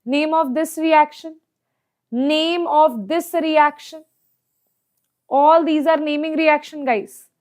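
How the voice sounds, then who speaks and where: South asian lady teacher, pretty high voice, walks thru exam questions, keeps asking if u get it. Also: steady tone, takes it slowly, pauses often, a little mellow. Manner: checks understanding often with short questions. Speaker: chemistry teacher. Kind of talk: exam problem lesson, explaining step by step.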